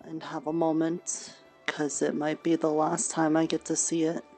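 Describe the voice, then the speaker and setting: A woman's voice: deep voice, completely flat delivery, moderate pace, darkish tone, faint music behind. A woman on a headset mic chatting casually during a roleplay game, mildly scolding and matter-of-fact. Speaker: roleplayer and streamer. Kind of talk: casual in-character roleplay chat.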